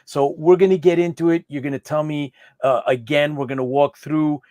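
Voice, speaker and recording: A man's voice: a little high, fairly even intonation, normal speed, dark tone, no room sound. A man hosting a live online interview show, chatty, often repeating words and restarting his sentences. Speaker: host.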